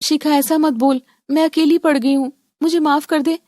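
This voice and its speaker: A woman's voice: high-pitched, fairly even intonation, moderate pace, a little mellow, a little hiss or hum, pitched above the performer's own voice, natural voice. Brief: remorseful young woman, woman voice, begging, pleading.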